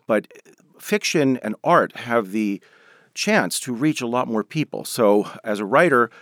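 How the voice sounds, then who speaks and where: A man from Denver, an author and professor, giving measured, explanatory answers in a radio interview. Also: lowish voice, dry recording, studio quality. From Denver, USA.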